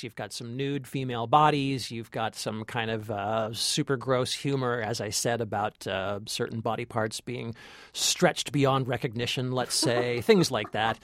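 Low-voiced American man chatting about films. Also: a bit bright, no echo, clean studio sound. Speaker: film review podcast co-host. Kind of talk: casual opinionated film review chat.

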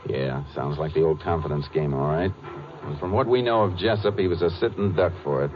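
An actor playing a calm, businesslike Texas Ranger in a 1950s radio western, terse and matter-of-fact, with an American accent. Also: male voice, very deep voice, brisk. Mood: probing, firm. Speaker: lead actor and narrator. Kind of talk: 1950s radio western crime drama acting. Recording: muffled, noisy 1950s radio recording.

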